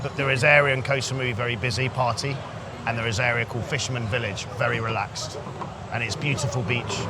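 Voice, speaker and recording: Teasing Londoner over clear street noise. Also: male voice, mid-range voice, steady tone, fast talker. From London, England. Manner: teasing, simplified broken English for a non-native listener. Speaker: dating coach chatting up women in public. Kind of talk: playful flirty chat. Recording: noisy outdoor street ambience with traffic. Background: traffic and urban noise.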